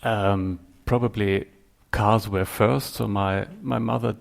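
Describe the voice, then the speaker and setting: A middle-aged man with a German accent, a podcast guest answering questions thoughtfully and hesitantly, with many pauses and ums. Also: lowish voice, fairly even intonation, gravelly. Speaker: guest photographer. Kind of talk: podcast interview.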